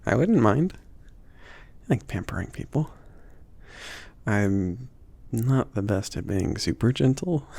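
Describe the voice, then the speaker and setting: A man playing a laid-back, obliging mage shopkeeper in a soft, intimate ASMR roleplay, hesitant and rambling, husky and often near a whisper. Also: lowish voice, heavily acted. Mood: shy, obliging. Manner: hesitant, rambling, trailing off with small chuckles.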